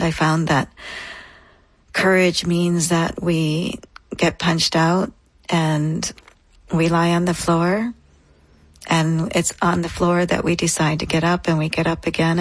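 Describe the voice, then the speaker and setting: Husky earnest woman telling her story. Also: sits low, dry recording, rough recording. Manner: earnest, reflective, speaks in short phrases. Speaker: interview guest. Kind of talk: personal story in an interview.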